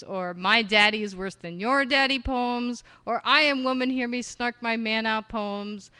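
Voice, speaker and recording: A woman performing spoken-word poetry live at a reading venue on a stage mic, expressive and slowing down on key phrases. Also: a little high, no echo. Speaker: poet.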